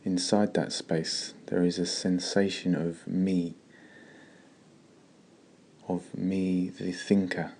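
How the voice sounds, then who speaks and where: A man leading a guided meditation in a slow, calm, gentle way with long pauses. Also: low voice, slight background noise.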